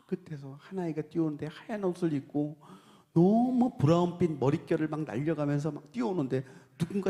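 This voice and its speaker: A man, a church deacon, telling a personal testimony in church, dropping to hushed low passages and then rising in sudden emotional outbursts. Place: church sanctuary with long reverb. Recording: long church hall reverb.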